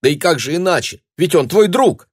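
A desperate young girl begs in a high, straining voice, as a man puts her on for an audiobook. Her words rise sharply and tumble out with tearful urgency. The sound is close and completely dry. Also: animated, normal speed, breathy edge, dry recording. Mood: pleading. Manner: high, breathless, tearful pleading.

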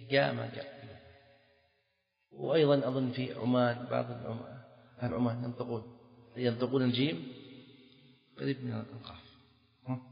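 A man gives a classroom lecture on Islamic law, explaining patiently, repeating his points and questioning his students. His mid-pitched voice carries a long hall reverb, and the lo-fi recording sounds dull. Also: creaky. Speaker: Islamic scholar teaching fiqh.

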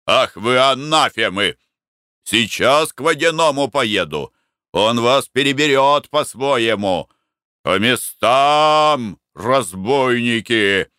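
A man's voice: mid-range voice, sing-song, dry recording, studio quality, heavily acted. A man doing a stern, scolding merchant. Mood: shouting angrily. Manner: curt, scolding, shouts slowly and heavily. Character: stern, irritable rich merchant barge owner, male.

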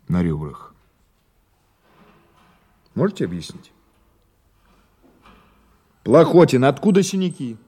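A Soviet criminal investigator in a radio drama. His voice is low and rough-edged, and he speaks with dry irony and probing authority. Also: warm tone, full character voice. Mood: stern, ironic. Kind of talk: audio drama acting.

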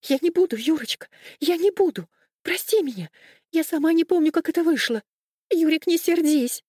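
A woman voicing a scared, tearful young woman who pleads in a high, whimpering voice. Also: big pitch swings, moderate pace, a little mellow, dry recording, clean studio sound. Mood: pleading.

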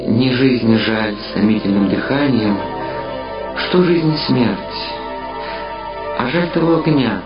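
A man's voice: mid-range voice, slow pace, long pauses, lightly acted. A man voicing a brooding, earnest young man in a reflective literary audio drama. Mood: wistful. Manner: wistful, reflective. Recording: dull lo-fi sound under loud music. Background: loud music.

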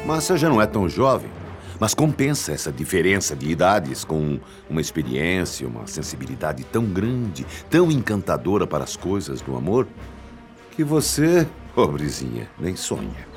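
A man's voice: deep voice, very animated, normal speed, soft background music. An actor with a Brazilian accent playing a possessive, menacing, mocking father-in-law in a radio soap opera. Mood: mocking, cruel. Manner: domineering, mocking, theatrical. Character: possessive, menacing older father-in-law obsessed with a young woman.

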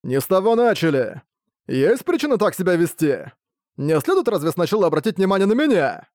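A man voicing a huge, jovial male warrior who talks in a booming, cheerful way. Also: big pitch swings, a little fast, a little mellow, no echo, studio quality. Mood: hearty.

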